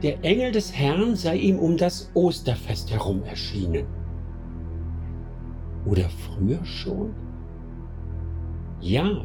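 Grave young eyewitness, slow pace, very lively intonation, medieval radio narration, music behind. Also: male voice, mid-range voice. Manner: grave, deliberate storytelling. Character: sixteen-year-old medieval eyewitness recounting a crusade, grave. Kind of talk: scripted first-person narration in a German radio play. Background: clearly audible music.

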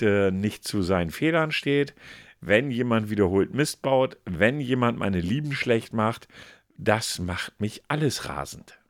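Lively German man reading a quiz. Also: fairly low pitch, no echo, clean studio sound. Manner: reads answer options aloud in a lively, playful tone. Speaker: podcast co-host. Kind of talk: casual podcast chat, reading out a quiz.

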